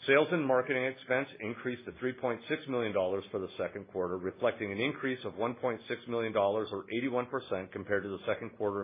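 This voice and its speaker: Over a thin, muffled conference phone line, a man with a somewhat low, husky voice reads a prepared financial report. He sounds like a company executive, formal and measured as he works through the figures. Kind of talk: scripted financial report on an earnings call.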